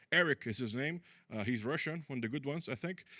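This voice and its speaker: A man talking at a very fast pace on a very clean recording with a silent background. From Brazil, moved to US at twelve. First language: Portuguese. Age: 30s. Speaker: stand-up comedian. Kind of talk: stand-up. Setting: stage with audience.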